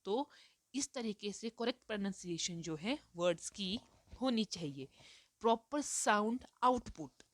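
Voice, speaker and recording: A woman's voice: medium pitch, animated, measured pace, no echo, clean studio sound. Woman teacher asking rhetorical questions. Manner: explains step by step with rhetorical questions. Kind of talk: Hindi lecture mixed with English terms.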